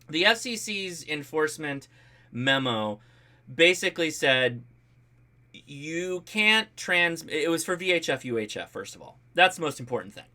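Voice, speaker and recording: Male livestream host, American, bright and punchy mid-range voice, animated and jokey, off-the-cuff delivery. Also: mid-range voice. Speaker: host of a ham radio livestream. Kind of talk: casual livestream chat, reading and answering viewer comments.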